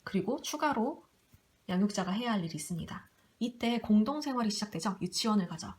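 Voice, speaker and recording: A young woman giving an online lecture, talking quickly and chattily, often acting out short quotes as she explains. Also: mid-range voice, animated. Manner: fast, chatty teaching with acted quotes.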